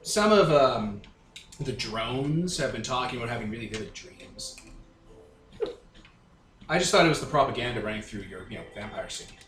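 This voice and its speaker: Man, mid-pitched, game master, casual improvised narration and banter, echoey room, faint noise. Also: lively intonation, moderate pace, long pauses, a bit bright. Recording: roomy, faint background noise.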